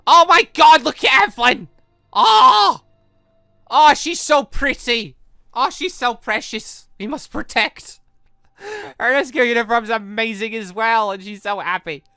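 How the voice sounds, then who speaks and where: Bright, animated, excitable gaming video host. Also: mid-range voice, a little slow, clean tone, no echo, soft background music. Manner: excitable, rambling, stumbling commentary. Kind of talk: let's play, reading visual novel aloud with commentary.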